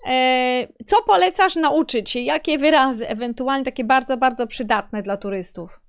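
A woman's voice: sits high, normal speed, creaky, clean tone. A woman interviewing a guest, chatty and given to laughing. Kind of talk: casual interview talk.

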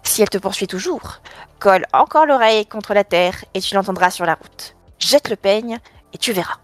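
A lean black cat from a fairy tale, unhurried and knowing, played by a woman reader. He lays out each step with slow care. The sound is close and dry. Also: mid-range voice, lively intonation, no echo, faint music behind, close to an everyday voice. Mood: advising. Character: thin black male cat, calm and wise.

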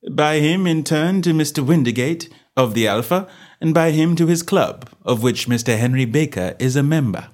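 A man voicing a calm, self-assured male detective with a bland, measured manner. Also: on the high side, pitched above the performer's own voice, lightly acted.

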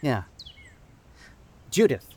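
An actor playing an earnest, encouraging church camp youth leader who haltingly repeats and restarts his phrases in an audio drama. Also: darkish tone. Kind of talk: improvised-sounding audio drama dialogue. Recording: outdoor background noise with birdsong.

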